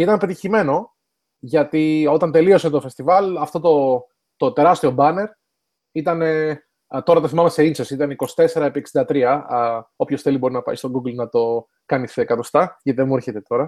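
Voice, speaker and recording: Against a quiet background, a man talks at a moderate pace. His pitch is fairly high. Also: ordinary pitch variation. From Greece, Athens. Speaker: event organizer. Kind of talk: interview. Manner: halting.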